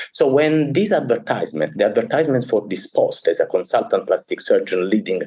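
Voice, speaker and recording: A man with an Italian accent speaks at a fairly quick pace. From southern Italy (Apulia). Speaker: plastic surgeon. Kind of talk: interview. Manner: hesitant, many fillers; lively.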